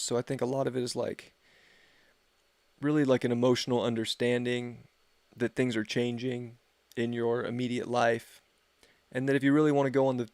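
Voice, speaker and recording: This livestream astrology reader talks in a mid-range, smooth voice that's starting to give out. His forecast is casual and meandering, packed with filler and easygoing in tone, and the audio carries no echo.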